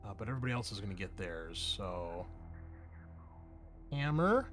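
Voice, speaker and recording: A man's voice: on the low side, big pitch swings, moderate pace, fairly bright tone. A man acting as game master of a tabletop roleplaying game, addressing his players in turn with casual narration. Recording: music behind the voice. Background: music.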